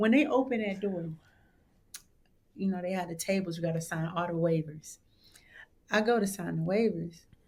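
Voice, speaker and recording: Somewhat breathy and animated in tone, a woman talks at a fairly quick pace with ordinary pitch variation and long, frequent pauses. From Michigan, Saginaw. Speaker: gospel singer. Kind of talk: casual interview storytelling.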